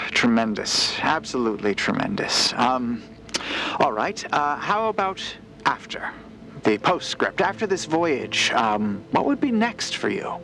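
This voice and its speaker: An actor playing a supportive journalist in an audio drama, interviewing in a polite, admiring, slightly hesitant way. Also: male voice, mid-range voice, very animated, slow pace, creaky, bright, forceful tone, slight background noise, full character voice, poor audio. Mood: impressed.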